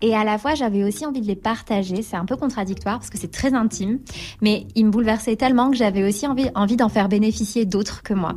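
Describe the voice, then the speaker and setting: A woman talks at a very fast pace in a fairly high pitch, her voice somewhat breathy. The recording is very clean, with a silent background. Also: ordinary pitch variation. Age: 20s. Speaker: author and former book editor. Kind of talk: recorded interview.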